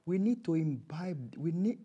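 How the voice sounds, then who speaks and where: A man's voice: fairly high pitch, big pitch swings, moderate pace, warm tone, lo-fi sound, slight background noise. A man with a Nigerian accent speaking as an interview guest, conversational and emphatic, often repeating his key phrases.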